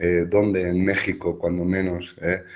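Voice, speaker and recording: Against a quiet background, a man with a Basque accent talks very slowly in a very deep, low voice. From Spain, Basque Country. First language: Basque (speaking Spanish). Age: 50s. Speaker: radio host. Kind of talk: interview. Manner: halting.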